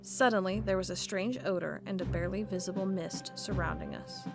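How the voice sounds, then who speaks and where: A woman narrates a scripted first-person account as a field agent, her telling measured and deliberate like a written report. Her voice sits at an ordinary middle pitch for a woman. Music plays clearly behind her throughout.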